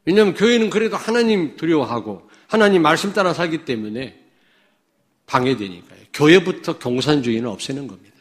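Expressive and brisk, the man preaches as a pastor from Chungcheong, South Korea, trading bold declarations for hushed asides to the congregation. His sermon is full of rhetorical questions.

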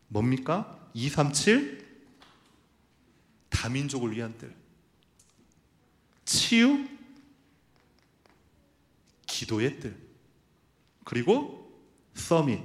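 A man preaches from the pulpit, weaving a personal story into his sermon. His pitch sits a little high and moves in lively swings. He acts out the voices of the people in his story as he talks. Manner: animated storytelling, acting out quoted voices. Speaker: pastor.

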